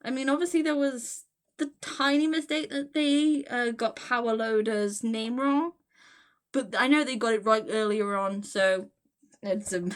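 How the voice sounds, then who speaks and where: A woman host casually reading aloud and chatting about it, gushing and giggly, often stumbling over her words. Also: fairly high pitch. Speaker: host of a fan fiction reading series. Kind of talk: casual rambling chat and read-aloud with reactions.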